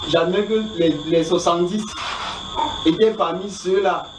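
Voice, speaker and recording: A man asking questions about the Bible in a halting, roundabout way, repeating himself often. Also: sits high, steady tone. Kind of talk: informal spoken question. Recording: echoey, distant, noisy pickup.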